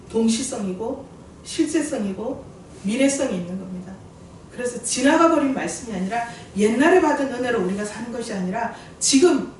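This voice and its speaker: A middle-aged woman, preaching a sermon as a missionary in lively storytelling with jokes for the congregation. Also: fairly high pitch, a little hiss or hum. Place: church sanctuary. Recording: very echoey church hall, distant mic.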